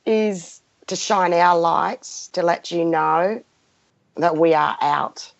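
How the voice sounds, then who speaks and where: Muffled roomy audio, woman in her fifties, lowish voice, passionate, emphatic, repetitive phrasing, spiritual motivational talk. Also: takes it slowly, vocal fry. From Greek background. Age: 50s. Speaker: spiritual guide hosting a live session.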